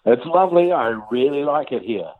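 A man's voice: medium pitch, lively intonation, no echo. Older New Zealand man on a phone line. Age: 60s. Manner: plain, unhurried storytelling with fillers. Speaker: interview guest, business founder. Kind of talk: conversational interview. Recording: dry, phone-like remote line.

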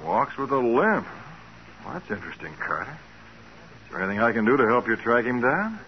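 An actor playing a blustery, reluctant company boss, exclamatory and hesitant, in 1940s radio drama style. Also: male voice, mid-range voice, sing-song, a little fast, lightly acted. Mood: curious. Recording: dull, noisy 1940s radio recording.

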